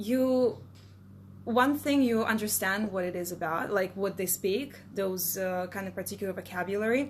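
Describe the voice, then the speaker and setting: Her pitch is medium and her pace moderate. The woman sounds somewhat breathy, with ordinary pitch variation. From Belarus. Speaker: English teacher. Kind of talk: casual interview chat.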